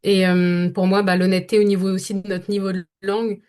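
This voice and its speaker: Speaking a little fast in a flat, darkish, medium-pitched voice, a young Frenchwoman discusses her voice-over career on a podcast. She's reflective, with many hesitations and false starts.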